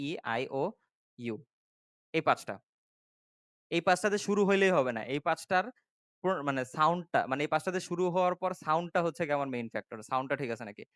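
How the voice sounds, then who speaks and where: A man's voice: on the high side, a bit bright, clean tone, no echo, clean studio sound. Man teaching step by step. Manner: explains step by step, often asking "ঠিক আছে?" to check understanding. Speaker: English tutor. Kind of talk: classroom-style grammar lesson.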